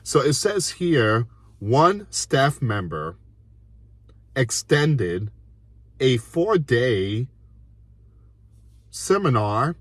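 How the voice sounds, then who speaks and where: Man from puerto rico, slow deliberate delivery, indignant news commentary, dry close sound. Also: mid-range voice, no echo. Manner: indignant, reads slowly with frequent asides and restarts. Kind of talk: reading and commenting on a news article.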